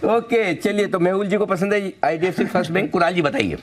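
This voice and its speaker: A man's voice: high voice, a little fast. A man hosting a live business TV show, joking with guests and laughing often. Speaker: host.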